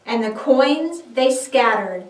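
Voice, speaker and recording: A woman's voice: high-pitched, animated, slow. A woman reading a scripted, dramatic Bible story in a solemn, theatrical storytelling manner. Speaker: narrator. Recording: echoey room, distant microphone.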